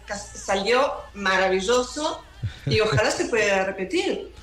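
A woman in her seventies with an Argentine accent, Italian as her first language, chatting relaxed as an interview guest. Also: mid-range voice, measured pace, reverberant, faint music behind, low-quality recording. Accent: Argentine Spanish. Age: 70s. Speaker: guest singer. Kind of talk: casual interview chat.

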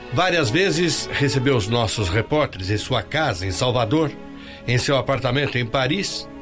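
Male TV narrator, formal measured read, music bed clearly under the voice. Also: mid-range voice. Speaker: news narrator. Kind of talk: scripted documentary narration.

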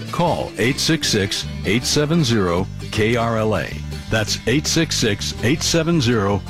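A man reading a polished, scripted introduction for a radio program. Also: on the low side. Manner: polished promotional read. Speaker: show announcer. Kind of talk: scripted announcement over music. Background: guitar music.

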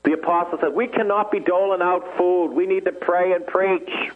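A priest preaching to radio listeners, retelling scripture stories with mimicked voices and then leading a long repeated prayer. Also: male voice, high voice, steady tone, moderate pace. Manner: storytelling preaching, mimics voices, prays in repeated invocations and tongues. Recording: tinny lo-fi radio broadcast.

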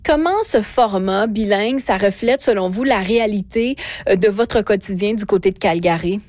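A woman's voice: medium pitch, moderate pace, a little mellow, no echo. A woman hosting a radio morning show, introducing and questioning a guest in a conversational way. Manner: conversational, some fillers. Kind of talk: radio interview.

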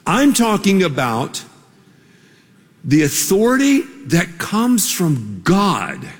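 A man's voice: sits high, huge pitch swings, slow, husky, big-room sound. A man preaching a sermon as pastor, telling a story with humor and building to emphatic, exclaimed points.

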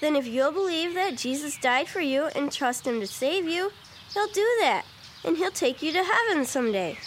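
A woman's voice: sits high, animated, normal speed, slight background noise. A woman playing an earnest, devout young girl, eager and kind, in a children's Christian audio drama.

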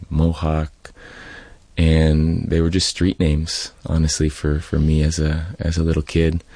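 An American man from California, talking casually as an interview guest in a relaxed way with many ums and you-knows. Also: rumbling low, no echo. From California, USA. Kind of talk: casual conversation.

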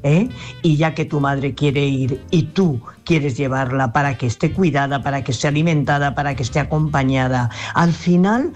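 Low-voiced older Spanish woman calling in. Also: normal speed, darkish tone, soft background music. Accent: Spanish from La Mancha. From Castilla-La Mancha, Spain. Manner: earnest, repetitive advice with many restarts. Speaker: caller. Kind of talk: radio call-in message.

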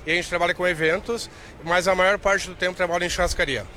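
A man's voice: sits high, steady tone, fast talker, sharp tone. A man from Rio Grande do Sul answering a street interview, hesitant and full of fillers. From Rio Grande do Sul, Brazil. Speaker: passer-by interviewee. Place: outdoors on a busy city street. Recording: faint street noise.

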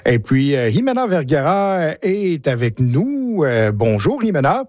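A man's voice: a little high, very animated, measured pace, a little mellow, no room sound, clean studio sound. A man hosting a morning radio show, introducing guests casually with hesitant fillers. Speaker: radio host.

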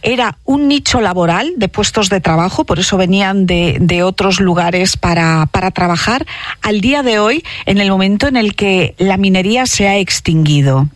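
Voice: medium pitch, lively intonation, moderate pace, dry recording. Dry-sounding radio interviewer, rambling questions.

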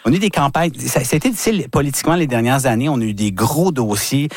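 A man, a regional correspondent thinking aloud in a radio interview, with many pauses and restarts. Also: mid-range voice, expressive, no room sound, clean studio sound. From New Brunswick, Canada. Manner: thoughtful, many hesitations and restarts.

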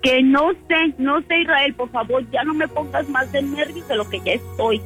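A woman's voice: high-pitched, normal speed, fairly bright tone, faint music behind. A tearful woman, a mother on the phone, pleading anxiously and repeating herself. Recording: tinny phone line.

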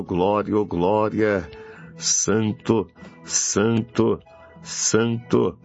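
A Brazilian man prays fervently in a very slow, deliberate delivery. His voice is markedly gravelly, and he pleads in repeated phrases and devotional interjections. Faint music plays behind the preacher. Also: on the low side, darkish tone. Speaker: preacher leading prayer. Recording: dull lo-fi audio with music behind.

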